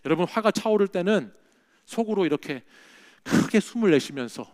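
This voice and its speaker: Higher-voiced man preaching a sermon. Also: lively intonation, normal speed, a little mellow. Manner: conversational preaching, frequent "예?" checks with the congregation. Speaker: pastor. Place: church sanctuary.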